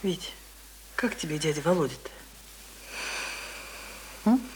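A woman's voice: low-pitched, expressive, slow pace, a little mellow, poor audio. An actress in a Russian radio play playing a weary, middle-aged single mother with a folksy, sighing way of talking. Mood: resigned, tender. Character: weary single mother of a schoolboy, no longer young. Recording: hissy old radio drama recording.

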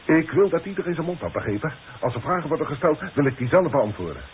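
Imperious boss, swinging pitch, old radio. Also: male voice, sing-song, fast talker. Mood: threatening. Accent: Dutch. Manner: curt, commanding, pompous. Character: imperious, irritable company boss, impatient and cost-minded. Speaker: actor in a radio play. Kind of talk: 1960s Dutch radio drama acting. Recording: dull, hissy old radio broadcast recording.

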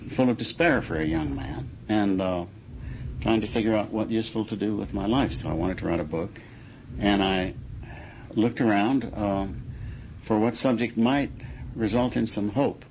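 Creaky, low-voiced older American man. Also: a little mellow. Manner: halting, searching for words. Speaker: journalist and writer, interviewee. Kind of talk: reflective interview recollection. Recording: muffled, faint background noise.

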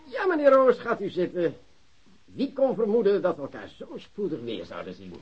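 A sly police commissioner in a radio drama. His voice is fairly high and husky, swinging widely in pitch as he feigns politeness. The recording is slightly dull. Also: huge pitch swings, full character voice. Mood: mock-friendly. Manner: unhurried, hesitant, falsely polite. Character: sly, mock-courteous police commissioner interrogating a suspect. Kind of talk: Dutch radio play acting.

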